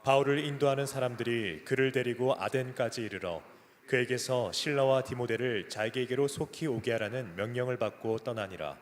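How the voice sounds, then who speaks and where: A man's voice: mid-range voice, a little fast. A man reading scripture aloud during a church service. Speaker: scripture reader. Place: church worship hall, live service. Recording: long hall reverb of a worship room.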